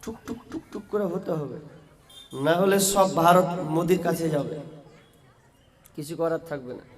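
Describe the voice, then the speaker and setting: A man preaching a waz sermon at an outdoor gathering under a canopy, moving between quiet storytelling and shouted rallying calls. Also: on the high side, animated, moderate pace, a crowd in the background. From Murshidabad, West Bengal, India. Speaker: Islamic preacher. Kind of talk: impassioned Bengali waz sermon. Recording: echoey open-air PA from far off.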